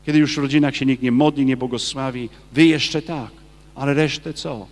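A man, a Catholic priest, giving a lively sermon and firing rhetorical questions at his listeners. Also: medium pitch, moderate pace, big-room sound. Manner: acts out quoted people in his talk.

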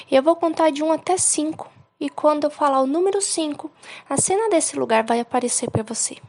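A woman with a Brazilian accent narrating a guided relaxation hypnosis like a sleep story, soothing and unhurried, giving gentle instructions with pauses. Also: fairly high pitch, dry recording.

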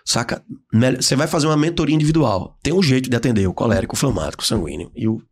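A Brazilian man guesting on a podcast, talking in slangy casual chat and acting out the people he describes in sudden high voices. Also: lively intonation, racing, husky. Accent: Brazilian Portuguese. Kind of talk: animated casual podcast talk. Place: podcast studio.

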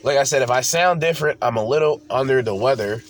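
A man's voice: mid-range voice, quick pace. A man with a congested, stuffy voice, chatting alone into his home microphone as host of his podcast. His speech is loose and rambling, tossing in casual swearing, with a faint hiss of noise underneath. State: congested from a cold. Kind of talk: casual solo podcast talk.

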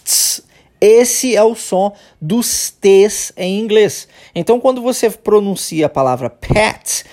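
A Brazilian man hosting an English-lesson podcast, explaining step by step, often checking in with "tá?" and slowly demonstrating sounds. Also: sits high, a little mellow. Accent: Brazilian Portuguese. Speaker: English teacher, podcast host.

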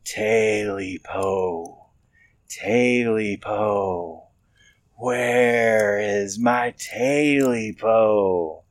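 A man voicing a short, stubby, clawed creature that chants slowly in a hissing, drawn-out voice. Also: lowish voice, no room sound, clean studio sound. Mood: eerie.

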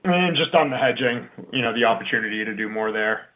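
A man's voice: mid-range voice, a little fast. A male financial analyst asking management a question on an earnings call. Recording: dull, lo-fi call audio.

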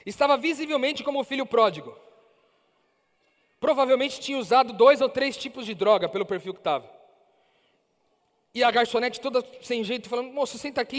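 Brazilian male preacher, very high voice, animated sermon storytelling, long hall reverb. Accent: Brazilian Portuguese. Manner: animated, acts out dialogue. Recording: reverberant hall, faint music.

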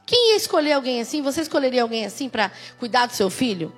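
A woman's voice: sits high, big pitch swings, fast, faint music behind. A woman pastor with a Brazilian Portuguese accent, preaching a conversational sermon with emphatic, rising exclamations.

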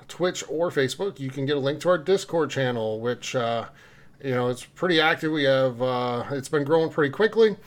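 Male podcast host, slightly high voice, casual and filler-heavy, live-stream audio. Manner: chatty, with frequent fillers and restarts. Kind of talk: casual gaming chat and show plugs.

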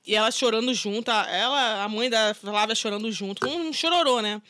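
A woman's voice: on the high side, a little fast, dry recording, clean studio sound. A woman co-hosting a casual podcast, retelling listener stories with lots of laughter. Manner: animated storyteller, laughs often. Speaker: podcast co-host.

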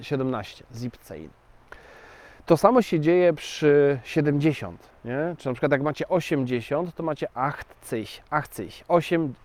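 A man's voice: medium pitch, a little mellow, no echo. A man teaching in a chatty, explanatory way, talking directly to his viewers. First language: Polish. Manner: chatty, addresses viewers directly, slow and deliberate. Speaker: language teacher. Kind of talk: casual explanatory lesson.

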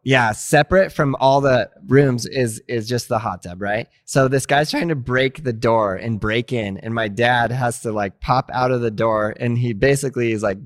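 A Montana man in his late thirties, a skateboard instructor, is a guest in a casual interview, telling animated stories full of fillers and acting out what he once thought. His medium-pitched voice moves at a moderate pace with hardly any pauses, in a dry, studio-quality recording.

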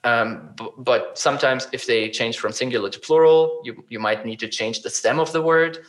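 A man's voice: mid-range voice, normal speed. A man in casual conversation, explaining ideas through examples, hesitant with frequent fillers and restarts. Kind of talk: casual conversation about chatbot design.

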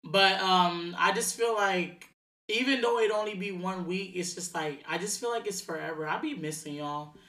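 A woman hosts her own podcast, rambling through a loose, chatty solo monologue packed with slang and fillers. Her fairly low voice has a fairly bright tone and a normal speed, recorded in an echoey room.

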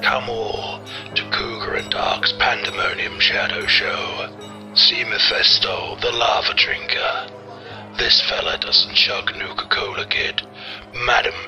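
A man's voice: fairly low pitch, takes it slowly, over music. An actor playing a grandiose carnival barker, delivering florid old-time sideshow patter in a theatrical showman's manner. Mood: grand, enticing. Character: grandiose male carnival barker luring customers.

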